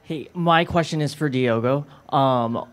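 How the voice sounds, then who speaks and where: A man's voice: medium pitch, a little slow. A man in the audience asking a hesitant question.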